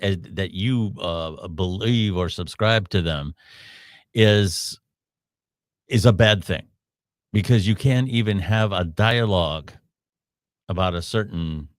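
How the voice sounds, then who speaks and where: A man's voice: on the low side, measured pace, dry recording, clean studio sound. A man hosting a live podcast, giving opinionated commentary in a rambling way with frequent restarts. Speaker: podcast host.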